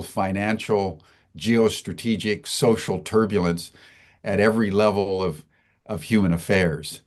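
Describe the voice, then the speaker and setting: A man hosting an interview, speaking slowly and haltingly with frequent fillers and restarts. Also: on the low side. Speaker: host. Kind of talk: slow, hesitant interview talk.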